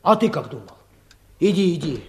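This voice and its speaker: An earnest young village man in a radio play. His voice sits fairly high and moves widely in pitch. He speaks tersely, like someone used to giving orders. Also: sing-song, normal speed, a little mellow. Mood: stern. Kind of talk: Russian radio drama acting.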